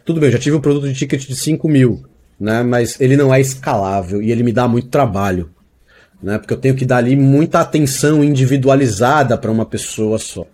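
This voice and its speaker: A man's voice: mid-range voice, brisk, a little mellow. A man who teaches acting, chatting casually in an interview and explaining ideas with examples, often tagging sentences with a questioning "né?". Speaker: acting teacher and course creator.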